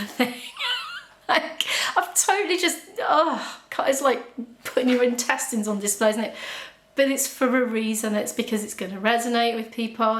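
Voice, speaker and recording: A chatty woman talks openly to camera at home, in a voice of middling pitch. She laughs easily and often trips over her words. The room gives her voice a roomy echo. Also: fairly bright tone. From Wales. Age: 40s. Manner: chatty and candid, with frequent laughs and restarts. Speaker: YouTuber answering viewer questions. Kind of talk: casual chat.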